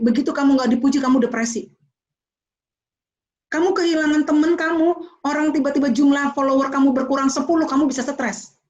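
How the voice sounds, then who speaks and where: High-voiced expressive woman. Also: highs cut off. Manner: expressive, mixes in English phrases. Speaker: motivational speaker. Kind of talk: motivational talk to students.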